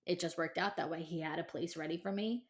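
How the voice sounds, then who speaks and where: A woman's voice: fairly low pitch, quick pace. A woman of thirty hosting a casual solo podcast, talking candidly and chattily with lots of "like" and "you know", then urging her listeners on with emphatic encouragement. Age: 30s. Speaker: podcast host.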